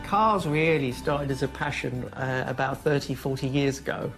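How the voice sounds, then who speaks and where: An older man at a middle pitch, chatting casually in an interview. He hesitates and repeats words, with faint music behind him. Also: normal speed, rough recording. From Caribbean. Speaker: house hunter, research scientist.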